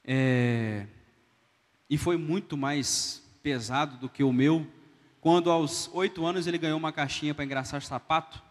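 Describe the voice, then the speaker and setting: A male pastor preaching a sermon in a church, telling a story with emphatic, rising delivery. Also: medium pitch. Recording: echoey church hall.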